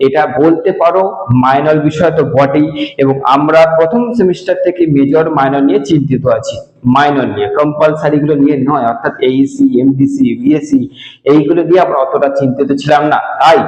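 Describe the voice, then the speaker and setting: A man's voice: fairly high pitch, a little mellow. A male teacher going over exam answers, talking casually and straight to his students in a room with a strong echo from work going on. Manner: casual, addresses students directly. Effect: strong echo from a bare room. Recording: echoey room, dull lo-fi sound.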